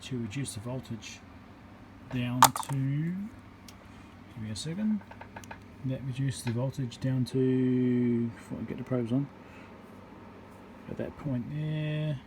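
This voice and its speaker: With a steady hum and room noise behind him, a medium-pitched man does a hands-on electronics repair at an indoor bench. He thinks out loud informally, pausing as he moves step by step.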